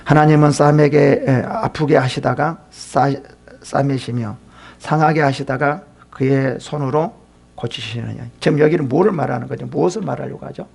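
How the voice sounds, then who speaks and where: A man's voice: mid-range voice, moderate pace, vocal fry, a little mellow, slightly rough. A man pastor preaching a sermon at a seminar, asking his listeners questions and dropping into whispered asides. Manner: asks the congregation questions, drops to whispered asides.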